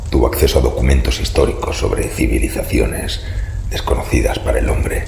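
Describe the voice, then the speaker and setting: Haunted old man in a horror audio drama, super gravelly, ominous, big echoey hall. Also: rumbling low, darkish tone, exaggerated voice. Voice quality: very gravelly, breathy rasp. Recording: echoey hall reverb, faint noise.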